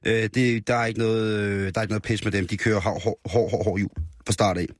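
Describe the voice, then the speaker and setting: A man's voice: fairly low pitch, fairly even intonation, no echo. A man hosting a radio show in a studio, chatting casually and reading from magazines with many hesitant fillers. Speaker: radio host. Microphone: studio microphone.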